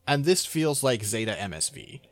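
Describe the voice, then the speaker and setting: Playful lively-voiced man co-host. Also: mid-range voice, normal speed, no room sound. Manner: teasing, playful. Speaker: podcast co-host. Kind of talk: casual chat.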